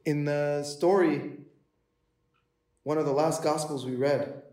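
A man delivers a sermon in a relaxed, conversational way, slipping into the voices of the people in the story he tells. His voice sits a little high for a man. The room around him has a noticeable echo. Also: slow pace. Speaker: preacher. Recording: echoey room.

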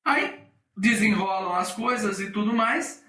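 A man's voice: high-pitched, unhurried, echoey room, far from the mic. A middle-aged Brazilian man hosting a coaching podcast, telling a workplace story and acting out the people in it. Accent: Brazilian Portuguese. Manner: animated, acts out the people in his stories. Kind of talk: storytelling monologue.

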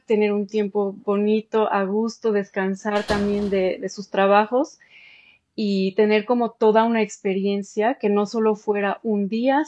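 A woman's voice: mid-range voice, no room sound. A woman from Germany, an interview guest on a remote call, chatting casually and enthusiastically about her own experience in slightly dull audio. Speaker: interview guest, former bride. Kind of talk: casual conversational storytelling.

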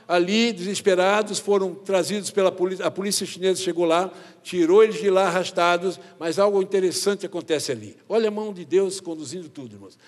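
Brazilian pastor preaching in a reverberant hall. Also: male voice, sits high. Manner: animated retelling with quoted dialogue, addressing the congregation as brothers. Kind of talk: sermon storytelling. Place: church.

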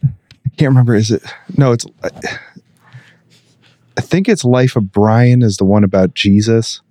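A young man co-hosting a casual podcast, chuckling often as he rambles through his thoughts with plenty of ums and uhs. His voice sits at a middle pitch, heard close and dry with no room sound. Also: moderate pace, warm tone, no room sound. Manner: laughs often, rambling with fillers. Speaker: podcast co-host. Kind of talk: casual chat.

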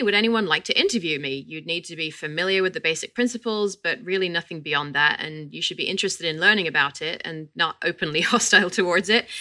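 A woman hosting a podcast interview, explaining things in a relaxed, conversational way with light laughs. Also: lowish voice. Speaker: podcast host.

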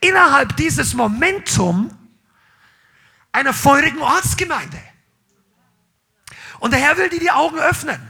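A man preaching a sermon as pastor at a church service, animated, swinging between loud calls and quiet asides, dropping in English phrases. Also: extremely high pitch, unhurried, long pauses.

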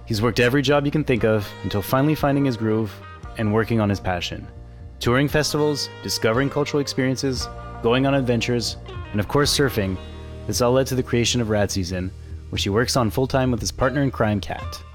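A man hosting a casual podcast interview, enthusiastic and chatty, who laughs easily. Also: medium pitch. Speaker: podcast host.

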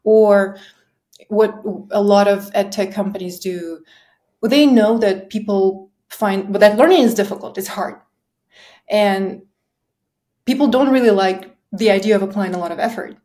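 A woman's voice: medium pitch, normal speed, dark tone. A woman from Kazakhstan, an English teacher speaking earnestly and emphatically as a podcast guest. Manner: earnest and emphatic about her views on learning. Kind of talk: podcast conversation.

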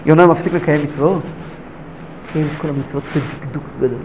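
A man teaching a Hasidic text lesson, asking rhetorical questions and swinging between hushed and emphatic delivery. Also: on the high side, highs cut off, slight background noise. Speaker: Torah teacher.

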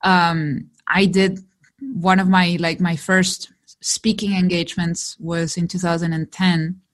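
A woman from Chile whose first language is Spanish, a digital marketer telling her story in a lively interview and laughing often. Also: lowish voice, takes it slowly. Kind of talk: conversational interview.

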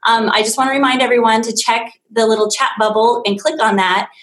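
A woman's voice: on the high side, steady tone, fairly quick, a bit bright, reverberant, rough recording. A woman who runs a marketing agency, explaining in a chatty, enthusiastic way on a live stream. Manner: enthusiastic, chatty, nerdy about her subject. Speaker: digital marketing agency owner. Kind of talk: casual live-stream chat.

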